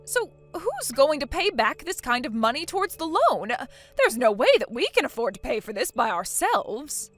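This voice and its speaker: A woman voicing a loud, bossy mother-in-law. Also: high voice, sing-song, moderate pace, soft background music. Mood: alarmed. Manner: loud, demanding, scolding. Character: bossy, shrill middle-aged mother-in-law. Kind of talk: dramatized story acting.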